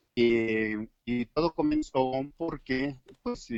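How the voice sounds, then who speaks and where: A man speaks with a Mexican accent. His pitch variation is ordinary. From Mexico. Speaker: voice actor. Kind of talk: interview.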